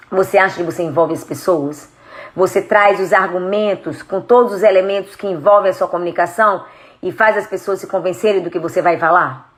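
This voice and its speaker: A woman with a Brazilian Portuguese accent, a speech therapist giving a direct-to-camera lesson, asking viewers questions and acting out tones of voice. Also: medium pitch. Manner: animated, explains with spoken demos of tone. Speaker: speech therapist and communication coach.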